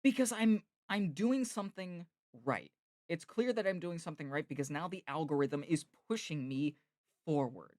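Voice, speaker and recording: A man streamer and voice actor chatting casually, relaxed and self-mocking, into a close mic. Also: on the high side, normal speed, dry recording. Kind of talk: casual chat.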